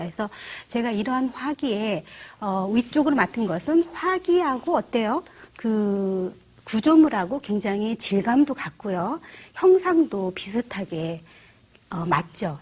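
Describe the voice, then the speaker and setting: A middle-aged woman teaching church flower arranging, explaining each step gently and often asking the viewer rhetorical questions. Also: fairly high pitch, slightly rough. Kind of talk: instructional demonstration.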